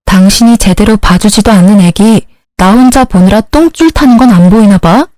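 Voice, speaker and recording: A woman's voice: mid-range voice, moderate pace, mellow, dry recording, natural voice. A woman voicing a selfish young husband in a read-aloud story, arguing in an indignant, dismissive way. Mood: resentful. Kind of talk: storybook dialogue reading.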